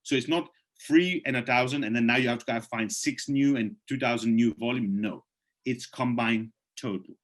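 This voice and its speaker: Man, hoarse voice, persuasive presenter, urging tone, question-and-answer session, computer mic on a video call. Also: mid-range voice, moderate pace. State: losing his voice. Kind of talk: live online presentation with questions from chat.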